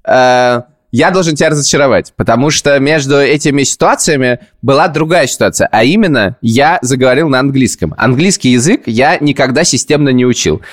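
A man's voice: medium pitch, brisk. Man telling rambling self-ironic stories. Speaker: podcast host. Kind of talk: casual podcast chat.

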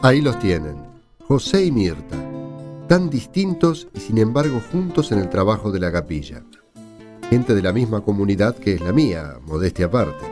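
A chatty male night-school student in a radio play. He has a low, animated voice and a colloquial Rioplatense accent, with guitar music behind. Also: normal speed. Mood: chatty, wry. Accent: Rioplatense Argentine. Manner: conversational, colloquial. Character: informal male night-school student telling his story. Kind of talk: radio drama acting.

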